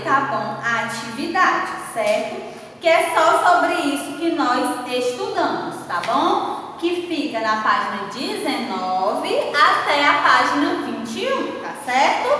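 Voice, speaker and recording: A woman's voice: high voice, bright, forceful tone, very echoey, long reverb tail, recorded from a distance, slight background noise, poor audio. A woman teacher with a Brazilian Portuguese accent, giving a patient lesson to children and often checking that they follow. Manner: patient, checks understanding with frequent tag questions. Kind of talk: recorded classroom lesson for children.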